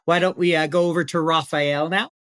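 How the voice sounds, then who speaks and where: A man's voice: fairly high pitch, steady tone, fairly quick, a bit bright, clean tone, no room sound, clean studio sound. A man hosting a live panel discussion, asking guests friendly questions in an upbeat way. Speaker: podcast host.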